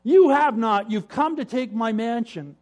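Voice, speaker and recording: A man voicing a stubborn, defensive brother who shouts to protect his hut. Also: measured pace. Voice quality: shrill, shouting.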